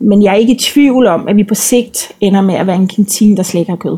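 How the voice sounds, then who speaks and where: A woman speaks at a medium pitch with ordinary pitch variation. Hers is a normal speaking voice. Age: 40s. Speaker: canteen manager. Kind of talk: interview. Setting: video call.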